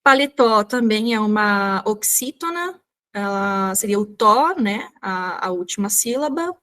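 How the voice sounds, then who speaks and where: A woman's voice: mid-range voice, expressive, a little slow, a bit bright. A woman with a Brazilian Portuguese accent answering as a candidate in a mock oral exam. She is polite and formal and often hesitates with fillers. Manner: polite and hesitant, many fillers, addresses the examiner as "Excelência".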